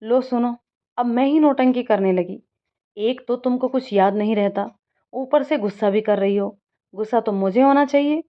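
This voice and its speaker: A woman's voice: on the high side, a little slow, lightly acted. A woman voicing a sulky, dramatic young office friend in a huffy manner, on a dull lo-fi recording. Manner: huffy, sulking. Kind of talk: storybook voice acting.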